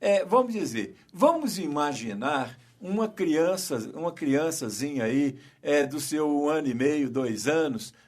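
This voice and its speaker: Male radio host, lively storyteller who acts out scenes, studio sound. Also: on the high side, measured pace, hardly any pauses. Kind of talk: casual radio chat, storytelling.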